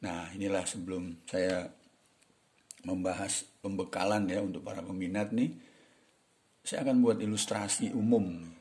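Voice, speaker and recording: A man's voice: sits low, fairly even intonation, moderate pace, pauses often, a little mellow. A middle-aged man teaching an English lesson in a casual, chatty way, often apologizing politely and using fillers. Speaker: English tutor.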